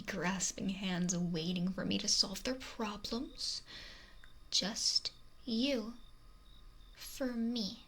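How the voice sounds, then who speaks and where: Woman as a slow, whispery, possessive mafia boss. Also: mid-range voice, fairly bright tone, full character voice. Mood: possessive, yearning. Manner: whispery, breathy, slow and domineering. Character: possessive, lonely, wealthy female mafia boss. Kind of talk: intimate ASMR roleplay monologue. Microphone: close binaural microphone. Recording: noisy close binaural whisper recording.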